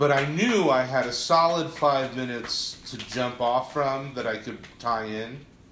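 A man's medium-pitched voice at a fairly slow pace, hardly any pauses and ordinary pitch variation, with noticeable background noise. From New York, US; Puerto Rican heritage. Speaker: stand-up comedian. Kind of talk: casual chat.

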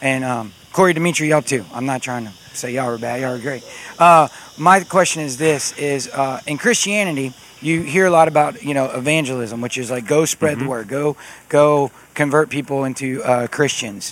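Over noticeable background noise, a man talks at a fairly quick pace. His pitch is fairly high. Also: ordinary pitch variation. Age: 40s. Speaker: podcast host interviewing students. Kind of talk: casual street interviews. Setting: outdoors on a university campus.

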